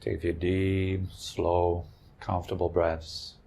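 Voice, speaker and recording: A man leading a guided meditation as a teacher, speaking in a gentle, soothing, unhurried way with long pauses. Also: sits low, flat delivery, gravelly, slight background noise.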